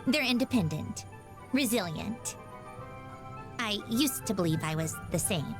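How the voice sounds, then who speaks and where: A woman's voice: medium pitch, animated, measured pace. An actress voicing a proud, ladylike young machine doll in a video game, with a prim, precisely worded delivery. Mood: refined, contented. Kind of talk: scripted video game character voice lines. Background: music.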